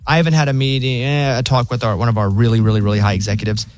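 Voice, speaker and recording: A man's voice: mid-range voice, little pitch movement, very fast, dry recording. A man with a Southern accent hosting a radio show, talking in a laid-back, joking, plainspoken way. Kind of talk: casual radio banter.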